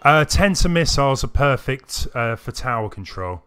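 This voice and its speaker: A man's voice: medium pitch, very animated, normal speed, a bit bright, clear, resonant tone. A man live-streaming a video game, chatting casually and a little ramblingly with his viewers. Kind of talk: casual livestream chat to viewers. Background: music playing behind the voice.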